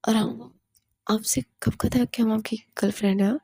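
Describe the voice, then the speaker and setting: A woman's voice: a little high, little pitch movement, moderate pace, gravelly, breathy edge, no room sound, studio quality. A woman voicing a firm young female college student who sharply tells off an unwanted admirer. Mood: scolding. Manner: sharp, scolding.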